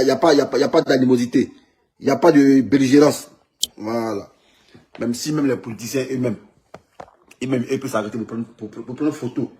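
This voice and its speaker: A man, commenting on politics in an animated, rambling way, with many repetitions and stumbling restarts. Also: medium pitch, a little hiss or hum. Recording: echoey room.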